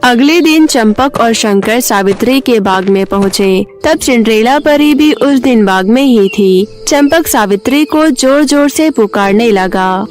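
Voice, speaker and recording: A woman's voice: fairly high pitch, lively intonation, a little slow, few pauses, a little mellow, faint music behind. A woman storyteller reading a scripted children's story as narrator.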